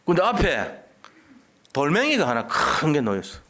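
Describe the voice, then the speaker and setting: A man's voice: fairly high pitch, huge pitch swings, normal speed, pushed and bright. A man preaching a sermon as pastor, asking his congregation rhetorical questions and acting out the quoted lines. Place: church sanctuary.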